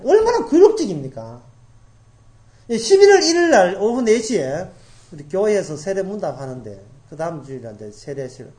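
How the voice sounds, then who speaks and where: A middle-aged woman from Daegu preaching a sermon as pastor, repeating key phrases and swinging from loud emphasis to hushed asides. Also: fairly low pitch. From grew up in Daegu, South Korea.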